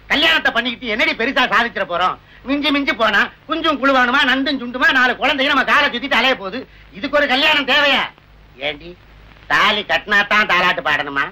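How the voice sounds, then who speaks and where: A man trading quick jokes in old film comedy dialogue, sometimes breaking into mock chants. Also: extremely high pitch, sharp tone, poor audio. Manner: fast joking banter, mock chanting. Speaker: comic lover posing as fortune teller.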